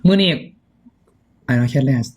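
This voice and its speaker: A man with an Isan Thai accent hosting a casual chat and live-selling stream, teasing his co-host in crude, animated banter. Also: normal speed.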